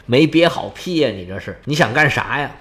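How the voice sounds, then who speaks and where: A man's voice: mid-range voice, animated, fairly quick, fairly bright tone, voice pushed down, natural voice. A man voicing grumbling, wary ordinary people in a told myth.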